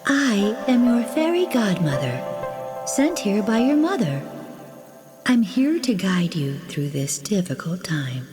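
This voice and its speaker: A woman performs a magical fairy godmother from a storybook. She speaks slowly with wide melodic swings, kindly and gently commanding, over clear background music. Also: medium pitch, very animated. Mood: kindly, guiding. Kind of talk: animated fairytale storybook acting.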